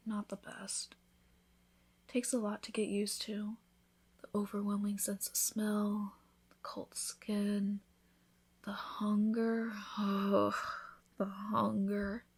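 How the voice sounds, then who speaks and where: A woman voicing an affectionate, teasing newlywed vampire in an intimate, soft-spoken ASMR roleplay, with tender, breathy delivery. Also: medium pitch, level tone, takes it slowly, long pauses. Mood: worried, tender.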